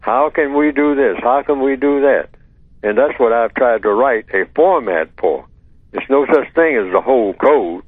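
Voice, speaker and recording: An older man on a call-in radio show, explaining his ideas in a measured way and repeating key words for emphasis. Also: medium pitch, animated, no room sound. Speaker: radio show guest answering callers. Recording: tinny phone line, dry.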